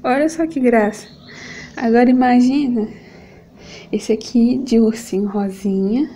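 A woman's voice: fairly high pitch, measured pace, warm tone. A young Brazilian woman with a Brazilian Portuguese accent, gushing affectionately as she unboxes gifts for a casual home vlog, filmed on a camera set on her table. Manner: gushing and affectionate, keeps calling out to viewers. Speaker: vlogger.

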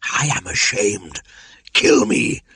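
A man's voice: fairly low pitch, very animated, bright, forceful tone, dry recording, pitched above the performer's own voice, full character voice. A man doing a hissing old white cobra. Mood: defeated. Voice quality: hissing, breathy whisper. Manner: slow, menacing. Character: old, bitter white cobra treasure guardian.

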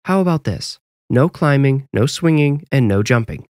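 A man's voice: mid-range voice, animated, moderate pace, a little mellow, no echo, studio quality, pitched above the performer's own voice, natural voice. A man voicing a protective, cautious mother of a young boy in a story. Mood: cautious, bargaining.

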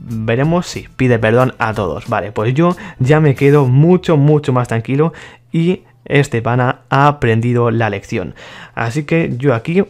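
A man's voice: medium pitch, expressive, measured pace, darkish tone, faint music behind. A man giving casual, mock-exasperated commentary on his gameplay and talking to his viewers. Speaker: gaming YouTuber.

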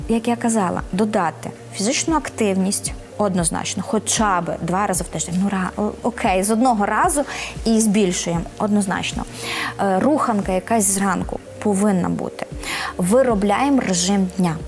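Woman, advice-giving guest, chatty check-ins, soft music underneath. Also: mid-range voice, normal speed. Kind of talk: casual advice interview.

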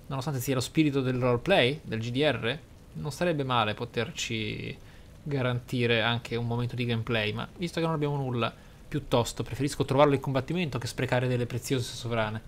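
With game music playing and a little background noise, a man delivers casual gameplay commentary as a video host. He speaks fairly quickly in a mid-range voice, leaning theatrical with ornate phrasing and frequent exclamations.

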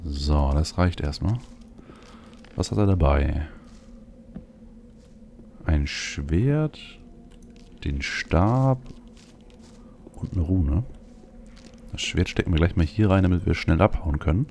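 A male let's play host with a dark, gravelly voice. He comments casually on a game, thinking aloud, with faint game ambience behind him. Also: deep voice, animated, slow pace, long pauses, slight background noise.

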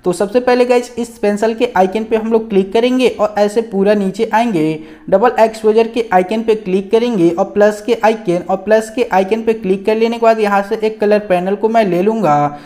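Guy walking you through an editing app, keeps saying guys and friends, kinda high and mellow. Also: normal speed. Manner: chatty, keeps calling out to friends and guys, frequent filler particles. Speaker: photo editing tutorial host. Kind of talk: casual step-by-step app tutorial narration.

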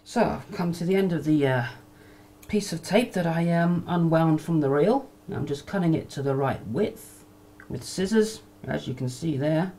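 A woman giving a casual hands-on demonstration with a hesitant, halting delivery, picked up on a camcorder microphone. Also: low-pitched, mellow. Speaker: hobbyist video maker, demonstrator. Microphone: camcorder microphone near the bench. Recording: noisy amateur camcorder sound.

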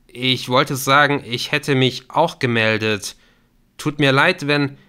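Audiobook role: accused young boyfriend, voiced by a male narrator, urgent, lifted pitch, bright and tense. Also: slow, clear, resonant tone. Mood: apologetic, flustered. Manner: earnest, urgent, defensive. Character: anxious, pleading young man, the accused boyfriend.

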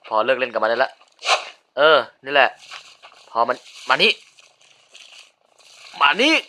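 A man giving casual let's-play commentary, chatty and given to sudden yelps and shouts. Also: mid-range voice, lively intonation, unhurried. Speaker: gaming video host.

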